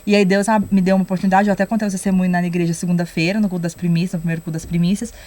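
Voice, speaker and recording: A young adult woman telling a personal faith testimony on a podcast, lively and acting out the lines she quotes. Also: on the low side, very fast. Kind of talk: casual testimony storytelling.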